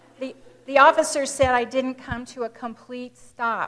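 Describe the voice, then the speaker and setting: The speaker is a woman with a high pitch. Background noise is noticeable. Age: 50s. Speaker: storyteller. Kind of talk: reading aloud.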